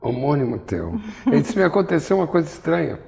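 A man's voice: a little high, big pitch swings, fast talker, vocal fry, mellow, big-room sound. An older man from Brazil interviewing in an artist's studio on a lapel mic, telling wry, digressive stories. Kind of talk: rambling conversational interview.

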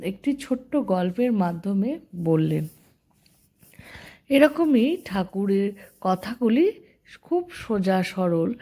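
Slow, measured woman reading devotional teachings. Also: medium pitch, mellow. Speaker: spiritual storyteller.

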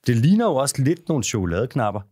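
A man's voice: mid-range voice, very animated, dark tone, slightly rough, no room sound. A man co-hosting a podcast in casual chat, rambling with fillers and restarts on a studio microphone. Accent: Danish. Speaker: podcast co-host.

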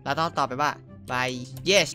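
A young man doing casual gameplay commentary, loud and crude, with excitable trash talk aimed at other players. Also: fairly high pitch, very fast. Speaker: gaming YouTuber. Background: loud game music.

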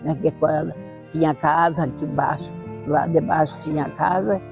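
Deep-voiced elderly southern Brazilian woman, gravelly. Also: steady tone, normal speed, over music. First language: Italian. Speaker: interviewee. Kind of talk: reminiscing in an unscripted interview. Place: outdoor terrace. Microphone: clip-on lapel mic.

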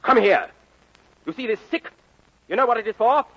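An actor playing a cruel, sneering schoolmaster in a vintage film drama, pompous, sarcastic and clipped. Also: male voice, extremely high pitch, lively intonation, normal speed, slightly rough, exaggerated voice. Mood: menacing. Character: cruel, sneering schoolmaster who sadistically bullies his pupils. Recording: dull, noisy vintage soundtrack.

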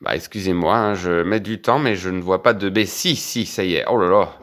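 A man, quietly commenting as he scratches lottery tickets for his channel. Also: low-pitched, moderate pace. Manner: quiet running commentary, excited when winning. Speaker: scratch-card vlogger.

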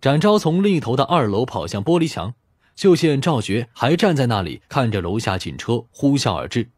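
A man's voice: mid-range voice, sing-song, moderate pace, darkish tone, husky, dry recording. A man reading a crime novel as a scripted, dramatic audiobook narration.

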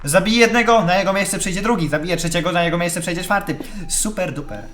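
A man giving chatty live commentary on a horror game, excitable and shouting when scared. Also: sits high, quick pace, soft background music. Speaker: let's play gamer.

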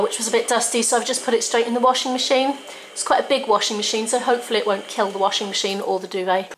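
A woman's voice: on the high side, slight background noise. A woman in her thirties from the UK, chatting through a home vlog on a handheld camera while she sorts boxes, enthusiastic and thinking aloud. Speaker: vlogger. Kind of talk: casual vlog chat. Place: living room at home, indoors. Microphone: handheld camera mic, filming herself close up.

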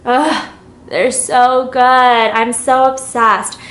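Young woman, beauty vlogger, chatty makeup monologue, candid, rambling, fairly high voice, home camera mic. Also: steady tone, extremely slow, a bit bright, echoey room. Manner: rambling and candid, getting emotional at times. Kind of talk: chatty get-ready-with-me vlog.

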